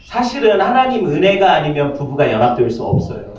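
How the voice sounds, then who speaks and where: A man's voice: a little high, big pitch swings, fairly quick, a crowd in the background. A man preaching a sermon as pastor, joking and asking his congregation questions. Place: church sanctuary. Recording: distant, echoey, slightly dull church audio.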